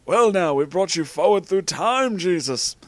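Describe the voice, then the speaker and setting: A man voicing an excitable, kindly old wizard headmaster for a comic story reading, in a theatrical, declaiming manner. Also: high-pitched, dry recording, pitched above the performer's own voice. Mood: hearty, grave. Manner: theatrical, declaiming, drawn-out exclamations.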